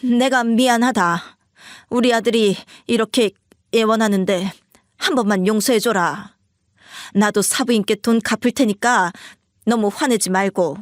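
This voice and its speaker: A woman's voice: on the high side, no echo, clean studio sound, natural voice. A woman voicing a grudging old mother-in-law. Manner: slow, reluctant.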